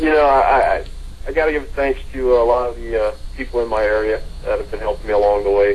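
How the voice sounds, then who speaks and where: Speaking at a very fast pace with an American accent, a man is heard amid noticeable background noise and audible room echo. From US South, South Louisiana bayou. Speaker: race car driver. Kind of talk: interview.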